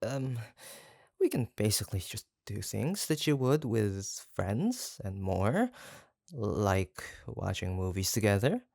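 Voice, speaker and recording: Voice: mid-range voice, sing-song, slow pace, vocal fry, dry recording, clean studio sound, exaggerated voice. A performer playing an obsessive, lovestruck yandere kidnapper in a roleplay audio drama, hesitant and rambling as they dote on the listener. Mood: doting, rambling. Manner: hesitant, rambling, soft-spoken menace with nervous chuckles.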